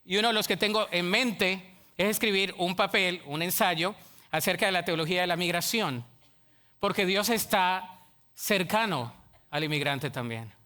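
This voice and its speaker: Emphatic male pastor, high ringing voice, preaches with loud bursts and questions to the room. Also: normal speed. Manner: animated and emphatic, calls out to the congregation; admits to being a shouter. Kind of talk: sermon. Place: church sanctuary.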